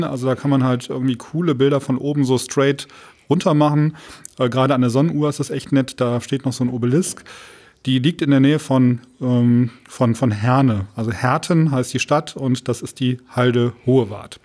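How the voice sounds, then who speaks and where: A man's voice: mid-range voice, moderate pace, darkish tone. A man chatting casually as a podcast co-host, explaining things and often searching for words.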